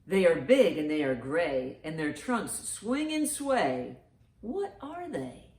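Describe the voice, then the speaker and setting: Slow and a little mellow, a woman's low-pitched voice swings widely in pitch while she reads to young children and gives them riddles. As storytime host she's encouraging and makes big reactions to their answers, and the sound echoes around a roomy space.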